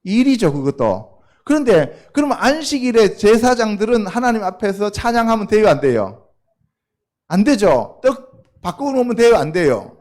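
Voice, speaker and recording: A man's voice: high-pitched, big pitch swings, moderate pace, a little mellow. A male pastor preaching a sermon to a youth congregation in a loose, conversational way, often asking the listeners questions and answering them himself.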